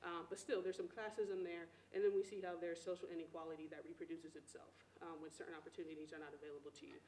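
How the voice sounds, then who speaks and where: A soft-spoken woman speaking as a panelist at a university event, deliberate, with frequent ums and uhs. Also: deep voice, flat delivery, a little hiss or hum. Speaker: director of a community finance group, panel speaker. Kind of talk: public talk at a university event. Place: lecture hall. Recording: echoey hall, faint ambience.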